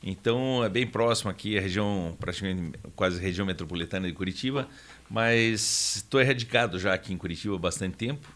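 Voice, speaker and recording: A man's voice: deep voice, fairly quick, fairly bright tone. A man in his fifties from southern Brazil, a guest in a radio studio interview, speaking hesitantly with frequent fillers and restarts. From Paraná, Brazil. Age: 50s. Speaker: guest, honorary consul.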